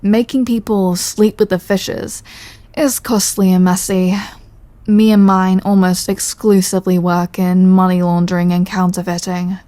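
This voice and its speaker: A woman's voice: lowish voice, little pitch movement, a little slow, warm tone, dry recording, natural voice. A British woman playing an apologetic, sardonic mafia boss with a protective, flirty streak in an ASMR audio roleplay. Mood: wry, explaining. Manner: dry, sardonic, sighing, exasperated. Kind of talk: ASMR audio roleplay, close scripted acting.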